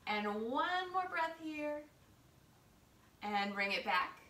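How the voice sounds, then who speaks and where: Slow, pushed and bright, with a high pitch and lively intonation, a woman teaches a guided yoga class at home. Her cues come step by step in a playful, informal, encouraging way, and the distant camera mic across the living room gives the recording a roomy feel.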